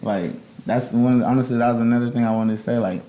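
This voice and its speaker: A man's voice: mid-range voice, steady tone, fast, dark tone, echoey room. A young man, a rapper, talking loosely as a podcast guest, rambling with lots of slang and fillers. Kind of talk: casual podcast chat.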